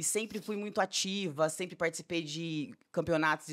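Against a quiet background, a woman with a fairly low pitch talks at a moderate pace with ordinary pitch variation. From Mato Grosso do Sul, Brazil (Campo Grande); Mato Grosso do Sul, Brazil. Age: 30s. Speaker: triathlete and personal trainer; personal trainer. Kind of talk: interview. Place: studio. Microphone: studio mic.

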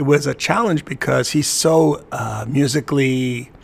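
Over noticeable background noise, a man speaks at a fairly slow pace, his fairly high pitch showing ordinary variation. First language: not Portuguese; non-Brazilian. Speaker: capoeira master and musician. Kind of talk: casual monologue to supporters.

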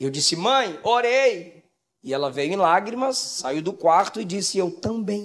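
Fairly slow, high-pitched speech from a man with lively intonation. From Ilhéus, Bahia, Brazil. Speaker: pastor preacher. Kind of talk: sermon with personal testimony; fervent, loud, pleading prayer at the climax of the sermon. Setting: church with congregation. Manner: fervent, crying-out, intense, rising in volume. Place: church. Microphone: handheld.

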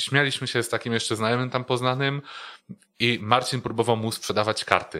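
The tone is bright and sharp, with fairly even intonation. The background is quiet. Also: man. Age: 20s. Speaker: YouTuber. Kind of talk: casual chat. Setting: apartment. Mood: relaxed, anecdotal. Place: home room. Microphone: studio mic.

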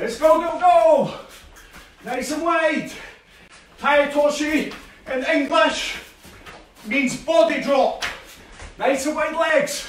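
Speech comes at a very slow pace with long, frequent pauses, audible room echo and light background noise. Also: man, extremely high pitch for a man. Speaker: judo coach. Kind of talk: live online judo class, instructing kids through drills. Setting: live video stream. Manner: energetic, loud, encouraging, brisk call-outs and countdowns; clear, repetitive, upbeat instructions. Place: gym. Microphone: camera far.

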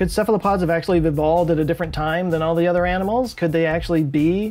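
High-pitched male voice at a very fast pace, faint music in the background. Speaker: science video host. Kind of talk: educational commentary. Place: home room.

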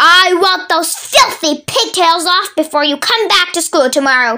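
Using a put-on character voice, a woman speaks at an extremely high pitch. Her pace is moderate and her intonation lively. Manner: barking, harsh, commanding.

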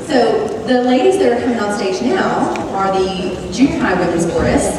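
A woman speaks at a fairly slow pace, surrounded by strong room echo and noticeable background noise. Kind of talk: announcement to audience. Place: stage.

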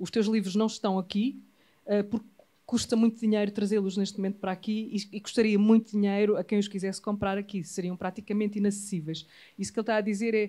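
A woman with a medium pitch speaks at a very fast pace in a dark, mellow, somewhat breathy tone, her intonation monotone and flat, over a quiet background. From Portugal. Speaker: writer, moderator; moderator. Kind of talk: panel discussion. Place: hall. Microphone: handheld.

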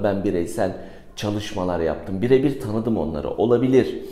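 Speech at a fairly quick pace carries audible room echo. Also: man. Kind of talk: casual vlog commentary. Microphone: lapel.

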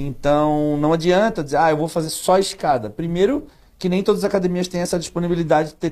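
This man's voice sits high in pitch. He speaks fairly quickly. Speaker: podcast guest. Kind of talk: interview answer. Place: studio. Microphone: studio mic.

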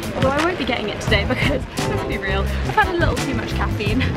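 A woman speaks in a dry sound with no echo while clear music plays in the background. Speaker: vlogger. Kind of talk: casual vlog chat. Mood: upbeat, enthusiastic. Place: street. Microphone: phone near.

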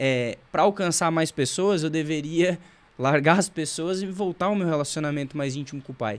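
The voice belongs to a man. He talks at a moderate pace with ordinary pitch variation. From Santa Catarina, Brazil. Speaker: former prisoner turned evangelical author; podcast guest. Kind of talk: testimony; interview answer. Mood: reflective, personal story. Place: studio. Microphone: studio mic.

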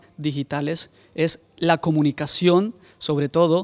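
Fairly even intonation from a man. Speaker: priest interviewed at event. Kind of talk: interview answer. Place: hall. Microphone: handheld.

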